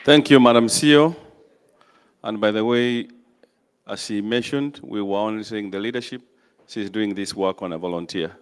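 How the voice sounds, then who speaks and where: A man chairs a meeting, brightly announcing the next speakers. His voice is low and smooth, and it rings through a reverberant hall. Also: moderate pace. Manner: lively announcer, introducing speakers. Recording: echoey hall.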